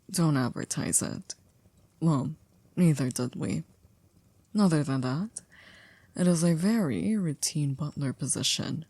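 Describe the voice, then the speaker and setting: Casting: woman as unflappable formal servant of a vampire house, very low mellow voice, dry ASMR delivery. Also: vocal fry, husky, dry recording, full character voice. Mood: wry, inviting. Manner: polite, measured, gently wry. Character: composed, formal, dryly teasing female household servant. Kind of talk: ASMR roleplay acting.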